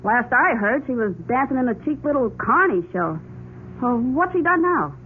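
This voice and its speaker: A brassy showgirl from a 1940s radio crime play, with a very high voice. She is tough, streetwise and slangy. The recording is thin and faintly hissy. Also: animated, moderate pace, narrow, tinny audio. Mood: brash, defensive. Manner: brash, streetwise, ungrammatical. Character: brassy, tough, slangy female dance-act performer.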